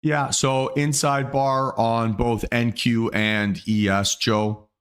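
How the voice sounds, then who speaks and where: A man's voice: medium pitch, flat delivery, takes it slowly, a bit bright, clear, resonant tone. A man hosting a day trading livestream, casually thinking aloud through his trades with fillers and restarts, with the hiccups. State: has the hiccups. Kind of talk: live market commentary.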